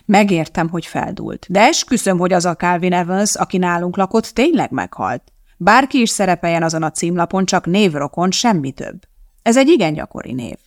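Felolvasó által megformált gúnyos, ravasz püspök. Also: male voice, high voice, expressive, dry recording, studio quality. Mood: smooth. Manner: smooth, sarcastic, evasive. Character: sly, sarcastic older male bishop, orphanage head.

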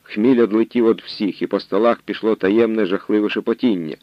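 A man narrating a historical novel as an audiobook, with steady, expressive storytelling. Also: on the low side, brisk, no echo, lo-fi sound.

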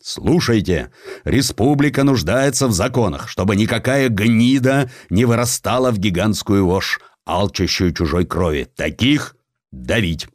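A man playing a burly, domineering Russian adventurer who harangues a crowd in a forceful, commanding way, in an audiobook story. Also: lowish voice, lively intonation, unhurried, no echo, clean studio sound. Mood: stern, commanding.

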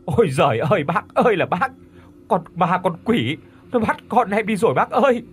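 A man's voice: on the high side, big pitch swings, normal speed, a little hiss or hum, pitched above the performer's own voice. A man voicing a panicked village father who pleads and wails for help. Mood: wailing. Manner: wailing, pleading.

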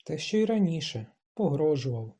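A narrator reading a novel aloud voices a stubborn, proud young woman who sounds set on getting her own way. The delivery is clipped and emphatic, cool in mood, and rises to shouts. The voice is mid-range, sing-song, and moderately paced, with a very dark, mellow tone and a husky, breathy grain.

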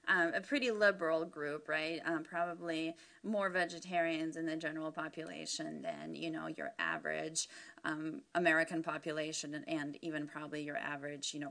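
A woman's voice: deep voice, a bit bright. A woman researcher explaining her work in an informal interview, discursive and often hedging as she goes. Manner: discursive, hedging with "sort of" and "you know".

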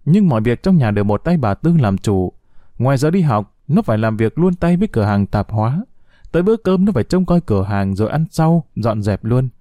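A man narrates a heartfelt, sorrowful story, his voice moving freely up and down. The tone is dark and mellow. It sounds close and dry. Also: mid-range voice, no room sound. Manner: slow, expressive, heartfelt.

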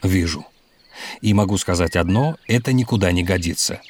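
A man playing a doctor out mushroom picking, who explains safety rules calmly and patiently. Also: low-pitched, moderate pace, a little hiss or hum, close to an everyday voice. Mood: instructive. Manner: calm, instructive, explains patiently.

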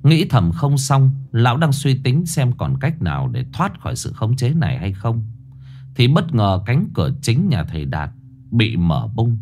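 A man's voice: mid-range voice, wildly swooping pitch, unhurried, darkish tone, soft background music. Dramatic male ghost-story narrator. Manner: dramatic, suspenseful reading.

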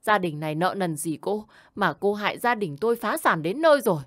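Woman putting on a shrill raging mother-in-law. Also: expressive, brisk, dry recording, clean studio sound, natural voice. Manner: scolding, wailing and shouting.

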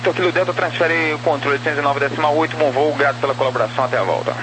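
A man's voice: on the high side, rapid-fire. A man with a Brazilian accent giving clipped air traffic control instructions over radio. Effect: radio transmission. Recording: noisy aviation radio with hum.

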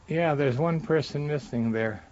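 A man's voice: fairly high pitch, measured pace, darkish tone. An American man of sixty-nine, a war veteran sharing unscripted reminiscences in an interview. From United States. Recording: dull documentary tape with background noise.

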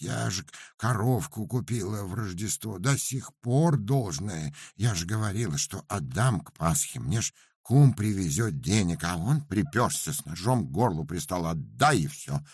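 Male reader doing a quick, plaintive peasant widow, a little higher than his own husky voice. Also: lively intonation, no echo, clean studio sound, heavily acted.

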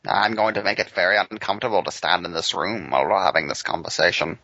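A man voicing a pompous, menacing villain who taunts a trapped victim with slow theatrical delivery. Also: low-pitched, steady tone, pushed and bright, no room sound, dull audio, heavily acted. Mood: smug menace.

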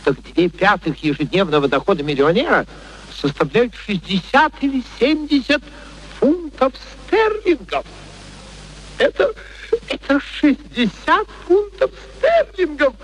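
An actor playing an imperious, eccentric, impatient professor in a radio play, peremptory and sardonic in a theatrical way. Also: male voice, very high-pitched, big pitch swings, measured pace, heavily acted, low-quality recording. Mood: amused, declaiming. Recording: old radio recording, faint noise.

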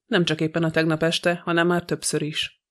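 A man's voice: on the high side, completely flat delivery, a bit bright, lightly acted. A man reading an audiobook, voicing a sly, gossipy old female housekeeper who talks with scorn. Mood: grumbling. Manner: grumbling, scornful.

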